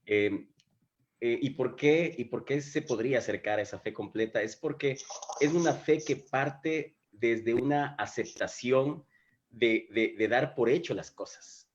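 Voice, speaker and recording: A man's voice: medium pitch, a little slow, highs cut off. A man hosting a live talk on faith, telling the story animatedly and often restarting his sentences. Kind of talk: casual spiritual conversation. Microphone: video call microphone.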